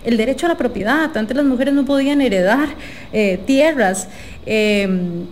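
A woman, talking thoughtfully and softly as a guest in a casual interview. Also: fairly high pitch, normal speed, a little hiss or hum. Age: 30s.

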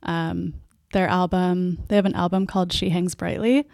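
A soft-spoken Canadian woman, a band's singer and guitarist, answering interview questions with a hesitant, laughing way of talking. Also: on the low side, little pitch movement, moderate pace, creaky, dry recording, studio quality. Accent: Canadian English. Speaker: band's lead vocalist and guitarist.

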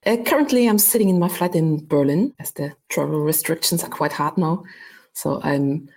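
A woman's voice: low voice, moderate pace, darkish tone. A woman of about forty from Austria, speaking as an upbeat, chatty interview guest at home. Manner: upbeat, laughs often, chatty. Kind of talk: casual interview chat. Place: her flat at home.

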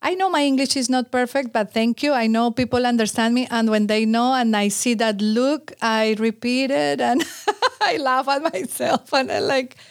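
Woman from Colombia, Spanish accent, higher voice, dry close sound, earnest. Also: moderate pace, no echo. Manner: earnest, self-deprecating, laughs at herself. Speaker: guest, communications coach. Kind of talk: conversational interview.

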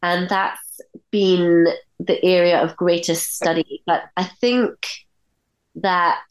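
Husky, cold-hoarsened woman podcast host. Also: fairly low pitch, fairly even intonation, slow, low-quality recording. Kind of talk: podcast interview talk.

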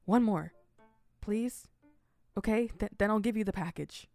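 A woman's voice: medium pitch, a little slow, darkish tone, no echo, faint music behind, lightly acted. A woman voices a teasing camp announcer in a radio drama, all playful prying and whimsical patter. Her voice sits mid-range and sounds dry and close. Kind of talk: audio drama acting.

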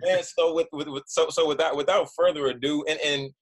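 A man hosting a casual podcast interview over a video call, energetic, often repeating and restarting words. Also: on the high side, a little fast. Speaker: podcast host.

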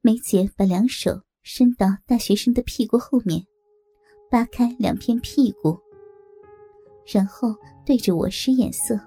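A woman narrating a first-person audio story in a slow, soft-spoken way. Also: on the high side, slightly rough, no echo, faint music behind.

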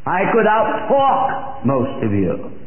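Older male preacher, slow emphatic delivery, lively pitch, tinny old hall recording. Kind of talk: sermon.

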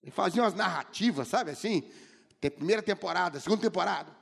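A middle-aged man with a Brazilian Portuguese accent preaches a sermon full of humorous stories, acting out the people he quotes. His high voice is fast, gravelly, fairly bright, and slightly rough, and a large hall gives it a long reverb.

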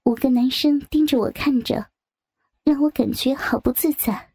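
High husky woman telling a story. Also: normal speed, no room sound, clean studio sound. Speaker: narrator. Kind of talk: first-person audio storytelling. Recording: soft music behind.

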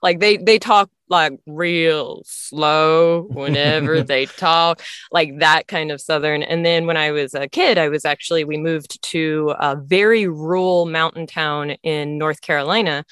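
A woman raised in the American South talks as a guest on an interview podcast. Her voice sits low and sounds smooth and resonant. She speaks hesitantly, often restarting her sentences, on a dry, close recording. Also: measured pace, few pauses, fairly bright tone, dry recording. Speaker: author guest. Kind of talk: casual interview chat.

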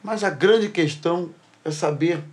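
A middle-aged man hosts a church talk program. His voice sits fairly high for a man, and he tells stories with lively energy, acting out each person's lines. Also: unhurried. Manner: lively storyteller who acts out dialogue. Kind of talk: animated storytelling and Bible talk.

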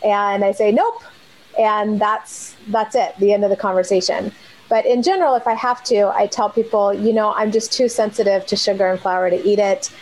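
A woman's voice: medium pitch, steady tone, moderate pace, a little mellow, a little hiss or hum, low-quality recording. Confident woman from California. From California, USA. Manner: clear, confident delivery. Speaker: program member sharing testimony. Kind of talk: casual home video testimony.

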